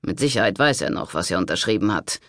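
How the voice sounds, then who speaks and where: A man reading an audiobook, voicing a sly, scheming monk who speaks in a slow, soothing, conspiratorial way. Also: lowish voice, expressive, fairly bright tone, no echo, clean studio sound, voice pushed down. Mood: cautioning.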